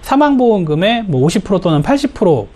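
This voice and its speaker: A man's voice: high voice, big pitch swings, quick pace, a little mellow. A man giving insurance advice to a caller, explaining things in a friendly way with many fillers. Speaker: insurance expert. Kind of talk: phone consultation advice.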